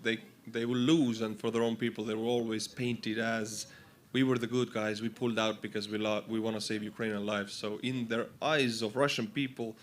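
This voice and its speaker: A man's voice: fairly low pitch, little pitch movement, moderate pace, hardly any pauses. A man talking in an informal, explanatory way in a panel discussion. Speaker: interviewer.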